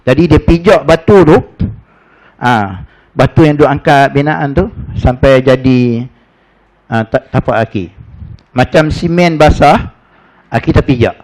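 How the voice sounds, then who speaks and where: A man with a Malaysian Malay accent, teaching a Hajj preparation class in a lively storytelling way, dropping in frequent "ha" fillers. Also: medium pitch, unhurried, pauses often. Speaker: religious teacher. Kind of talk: Hajj course lecture.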